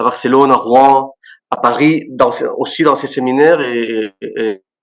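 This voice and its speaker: A man with a non-native accent speaks at a fairly high pitch. His intonation is fairly even, and his pace is very slow. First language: Spanish or Catalan (speaking French). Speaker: political philosopher, university academic. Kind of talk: academic seminar presentation. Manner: halting, many repetitions.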